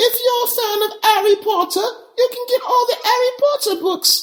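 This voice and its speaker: In a put-on character voice with a London accent, someone speaks at a moderate pace, squeaky and extremely high in pitch. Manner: exaggerated, intentionally bad.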